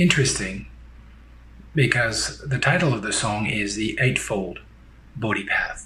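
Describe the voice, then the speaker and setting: With a strong French accent, a man speaks at a medium pitch and a fairly slow pace, using lively intonation and long, frequent pauses amid audible room echo. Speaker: Buddhist teacher. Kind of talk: dharma teaching. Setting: virtual meeting. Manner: halting, many fillers.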